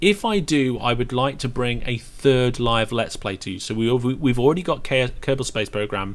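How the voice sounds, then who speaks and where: A man with a Midlands-northern English accent, medium pitch, moderate pace and ordinary pitch variation. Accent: British, mild Midlands-northern. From England, Midlands or lower north. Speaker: gaming streamer. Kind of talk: casual chat. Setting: live stream.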